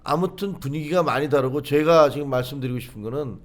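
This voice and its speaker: Male political commentator with a slightly raised pitch who recounts things with animation and plays out other people's lines. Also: fast talker. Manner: animated storytelling, acts out what people said. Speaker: political commentator, former party official. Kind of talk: political talk show discussion.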